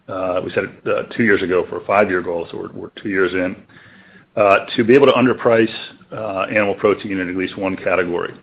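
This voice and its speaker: A man answering business questions as a company executive, speaking deliberately with many hesitations mid-phrase. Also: low voice, breathy edge. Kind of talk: unscripted business Q&A. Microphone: telephone conference line. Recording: narrow tinny phone-line conference call.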